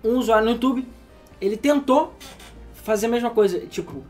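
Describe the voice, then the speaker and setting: A man's voice: very high-pitched, moderate pace, faint music behind. A sleepy man co-hosting a casual gaming chat, rambling and swearing freely. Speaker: podcast co-host.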